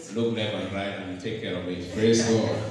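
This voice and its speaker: Monotone, flat intonation from a man at a moderate pace, with strong room echo and light background noise. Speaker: preacher. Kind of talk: sermon. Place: church.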